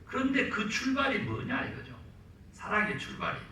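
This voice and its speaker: A Korean man preaches a lively sermon, acting out quotes and drawing amens from the congregation. His voice sits high and swings widely in pitch. It rings through a very echoey church, picked up from a distance. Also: normal speed, a little hiss or hum. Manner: animated, acts out quotes and calls for amens. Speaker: pastor. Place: church sanctuary.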